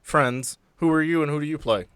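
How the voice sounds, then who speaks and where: A man's voice: on the high side, brisk, fairly bright tone, clear, resonant tone, no room sound. A man chatting casually as game master and host of a tabletop podcast.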